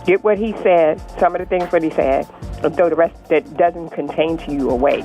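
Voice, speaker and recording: A woman's voice: low voice, normal speed, lo-fi sound, faint music behind. A woman in her sixties calling in to a radio show, earnest and rambling, often restarting her sentences. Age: 60s. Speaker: caller. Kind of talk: casual call-in chat.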